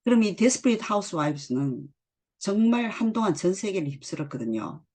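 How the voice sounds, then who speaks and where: Woman, middle-aged, English teacher, husky low voice, lively intonation, reads lines slowly and explains. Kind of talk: explaining drama dialogue in a lesson.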